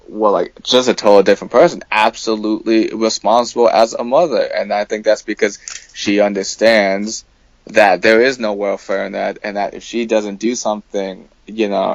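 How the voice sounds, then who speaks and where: Hesitant man with a fairly low voice, dry sound. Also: dry recording, highs cut off. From United States. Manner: hesitant, many fillers, blunt opinions. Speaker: guest. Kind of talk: casual conversation.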